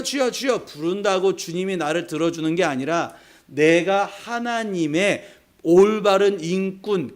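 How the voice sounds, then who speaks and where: A male pastor from South Korea delivers a sermon in a fairly high, bright voice. He preaches with emphasis, often asking the congregation a question and answering it himself. Now and then he acts out a short quoted voice.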